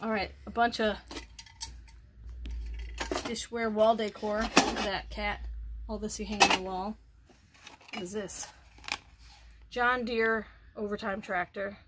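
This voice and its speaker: A woman's voice: medium pitch, fairly even intonation, takes it slowly, pauses often. A middle-aged woman hosting a casual unboxing video, chatting as she unpacks and names each item in an indoor workroom. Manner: chatty, narrates items as she unpacks them. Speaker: host of a resale channel. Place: indoor workroom with tables and boxes. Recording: clear background noise with clicks.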